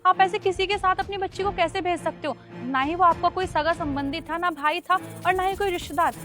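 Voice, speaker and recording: A woman's voice: extremely high pitch, brisk, a bit bright, soft background music. A woman playing a stern school principal. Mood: lecturing. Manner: firm, lecturing.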